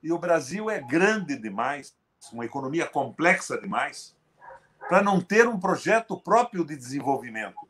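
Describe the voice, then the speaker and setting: A man in his seventies hosting a political conversation, talking in an emphatic, forceful way with sharp jumps in pitch and loudness. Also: big pitch swings, moderate pace. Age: 70s. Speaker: host, veteran politician.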